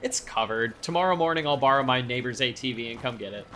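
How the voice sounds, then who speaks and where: A man's voice: medium pitch, lively intonation, quick pace, fairly bright tone, slight background noise, lightly acted. An actor playing a friendly, easygoing young man from an island town in an audio drama, casual and reassuring. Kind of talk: naturalistic audio drama acting.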